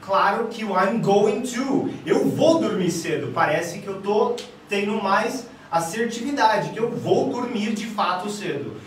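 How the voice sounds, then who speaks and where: A man with a Brazilian Portuguese accent teaching an English lesson on video, emphatic, repeating "guys" and drilling examples slowly. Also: sits high, fairly bright tone, slight background noise. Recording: very echoey room, distant from the mic.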